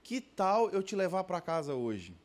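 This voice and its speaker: A man voicing a kind, caring young female schoolteacher who speaks softly and coaxingly. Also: sits high, very animated, a little slow. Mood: gentle coaxing.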